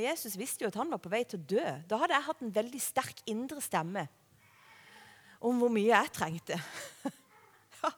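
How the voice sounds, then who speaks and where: A woman preaching a sermon in a conversational way, often asking the listeners questions. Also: sits high. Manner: conversational, warm-hearted preaching with rhetorical questions. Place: church hall. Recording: long hall reverb.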